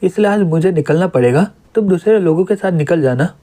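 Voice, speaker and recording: An easygoing young hero from a manga recap, as a man narrator reads him. The voice is fairly high and mellow, casual and reassuring. The tone stays close to everyday speech. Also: expressive, brisk. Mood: calm.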